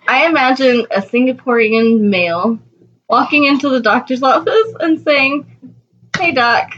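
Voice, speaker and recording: A young woman co-hosting a casual podcast chat, giggly and animated as she tells stories close to the mic. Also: high-pitched, measured pace. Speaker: podcast co-host. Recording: dull, slightly noisy podcast recording.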